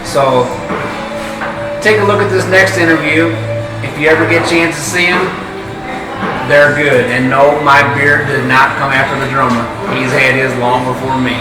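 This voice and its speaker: A man's voice: mid-range voice, fairly even intonation, moderate pace. A man casually presenting an interview segment to camera. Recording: distant mic, echoey room, music.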